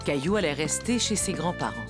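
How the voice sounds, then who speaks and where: A woman narrating a children's story in French, expressive, stretching words for emphasis. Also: deep voice, fairly quick. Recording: music bed behind the voice.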